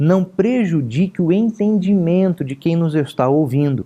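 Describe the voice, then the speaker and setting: A man talks at a fairly slow pace with lively intonation. His tone is dark and mellow. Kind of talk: clear, explanatory.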